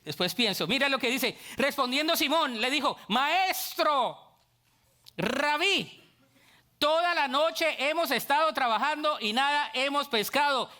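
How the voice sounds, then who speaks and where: A middle-aged male pastor preaches with a high, bright voice. He talks animatedly and slips into playful voices of church members. His delivery stays warm toward the congregation and full of energy. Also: a little slow. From Colombia. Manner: lively preaching, acts out voices of church people. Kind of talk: sermon.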